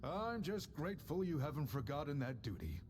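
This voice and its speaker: Earnest, expressive tribal chief. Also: male voice, fairly high pitch. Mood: hopeful. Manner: formal, deferential, measured. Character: earnest, humble, dutiful male tribal chief. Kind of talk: video game voice acting. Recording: background music under the voice.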